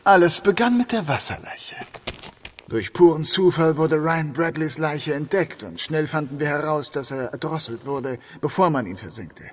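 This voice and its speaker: An actor playing a determined detective inspector in a crime radio play, assertive and deliberate. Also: male voice, fairly high pitch, lively intonation, slight background noise, close to an everyday voice. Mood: confident, accusing. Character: determined, confrontational male police detective inspector. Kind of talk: German crime audio drama acting.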